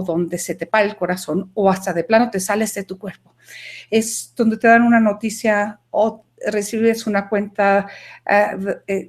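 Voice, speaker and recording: A woman from Mexico and Denmark telling a personal story over a video call, animated and emphatic, often correcting herself mid-sentence. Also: medium pitch.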